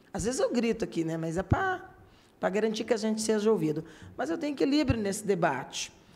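Racing at a very fast pace, this animated voice swings very widely in pitch. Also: woman. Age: 50s. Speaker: city councillor chairing a committee. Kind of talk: public council meeting. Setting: council chamber with microphones and audience. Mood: defensive, impassioned. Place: hall. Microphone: podium.

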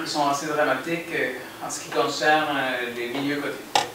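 With audible room echo and noticeable background noise, a man talks at a fairly high pitch. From Peru. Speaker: environmental project manager and graduate student. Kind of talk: academic seminar presentation. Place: classroom. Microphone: camera far.

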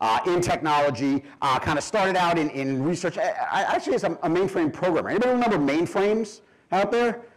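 A man at a very fast pace, with lively intonation. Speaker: conference speaker. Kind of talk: conference talk. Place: hall.

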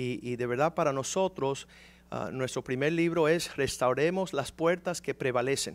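The voice here is a man's. Its pitch moves with ordinary variation. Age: 40s. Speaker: guest preacher. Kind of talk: sermon. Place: church. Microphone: handheld.

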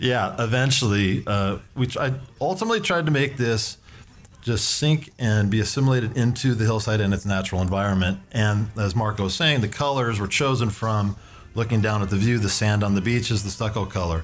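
At a fairly quick pace, a man with an American accent speaks with ordinary pitch variation and very even loudness. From west side of Los Angeles. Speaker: real estate developer. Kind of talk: radio interview. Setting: remote broadcast from a Malibu estate.

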